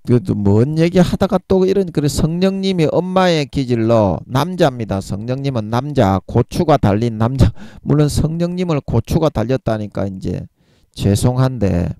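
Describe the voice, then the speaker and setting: Male preacher, emphatic and repetitive, warm and animated. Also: medium pitch, measured pace, no echo. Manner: repeats key words for emphasis, chuckles between points. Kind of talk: sermon.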